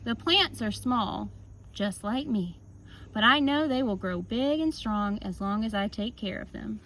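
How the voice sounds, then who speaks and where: Higher-voiced woman reading a children's story. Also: lively intonation, unhurried, a bit bright, slight background noise, rough recording. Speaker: teacher reading a picture book aloud. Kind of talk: children's story read-aloud with casual asides.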